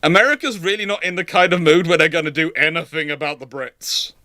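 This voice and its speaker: Guy on a livestream answering questions, rambles and backtracks, crisp bright voice, no room echo. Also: on the high side, fast talker. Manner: rambling, thinking aloud, self-correcting. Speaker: host of live question-and-answer show. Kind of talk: unscripted discussion, answering viewer questions.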